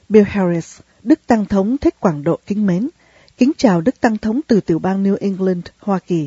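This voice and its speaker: A somewhat breathy woman's voice of medium pitch, lively intonation and a moderate pace. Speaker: radio announcer. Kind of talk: scripted narration. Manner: formal.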